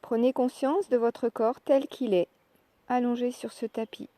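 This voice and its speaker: A woman leading a guided yoga relaxation, speaking calmly and in measured short phrases with pauses. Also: fairly high pitch, no echo. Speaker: yoga nidra relaxation instructor. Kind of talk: guided meditation, soft instructional narration.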